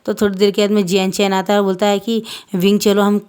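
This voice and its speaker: Flat-voiced woman telling a fan story. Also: medium pitch, quick pace, clean tone. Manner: rambling, self-correcting mid-sentence. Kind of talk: casual story narration.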